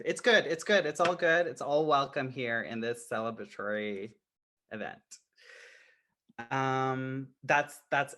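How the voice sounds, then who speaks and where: Very bright-voiced man hosting conversationally. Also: medium pitch. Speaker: roundtable facilitator.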